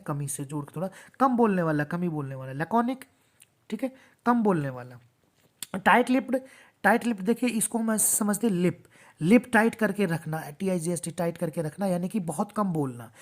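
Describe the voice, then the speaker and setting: Patient woman teaching vocabulary, lowish voice. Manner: repeats each word and its meaning, patient. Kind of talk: explanatory lesson with repetition.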